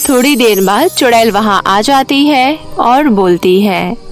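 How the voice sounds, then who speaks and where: A woman's voice: fairly high pitch, animated, measured pace, soft background music. A woman narrator reading a scripted children's story.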